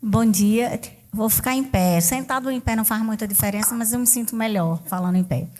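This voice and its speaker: A woman with a northeastern Brazilian accent speaks at a moderate pace, somewhat breathy, at a fairly high pitch with ordinary pitch variation. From Brazil, Northeast. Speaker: tech company CEO. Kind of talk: panel discussion. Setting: stage with audience.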